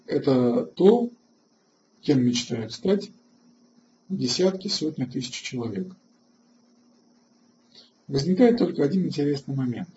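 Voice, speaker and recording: Man, webinar host, mellow dark voice, halting with fillers, muffled lo-fi audio. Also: a little high, expressive, slight background noise. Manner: halting, with many filler sounds and restarts; answers chat questions between points. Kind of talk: online webinar lecture.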